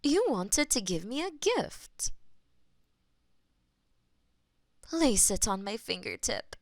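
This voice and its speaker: A woman playing a possessive, lovestruck goddess of death in an intimate romantic audio roleplay, with a breathy, theatrical delivery that often drops to whispers. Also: a little high, very animated, unhurried, dry recording, clean studio sound. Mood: tender awe.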